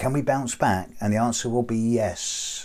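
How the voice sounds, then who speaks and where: A man with an English accent speaks with fairly even intonation. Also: very clean recording, silent background. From England. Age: 60s. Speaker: astrologer. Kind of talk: casual monologue to camera. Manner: occasional stumbles and fillers.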